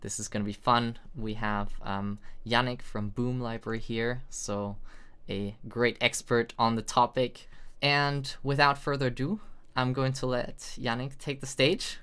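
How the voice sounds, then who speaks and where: A host with a smooth, clear voice opens a conference session. The delivery is eager and upbeat as the host welcomes the audience and hands over to the speaker. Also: medium pitch, fairly even intonation, unhurried, fairly bright tone. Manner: upbeat, enthusiastic. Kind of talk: event introduction.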